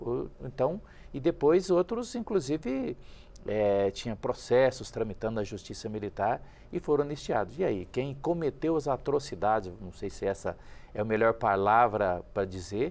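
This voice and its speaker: A man speaks at medium pitch and a fairly slow pace. His intonation is lively. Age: 60s. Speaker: federal congressman. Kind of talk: TV interview. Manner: hesitant, many fillers.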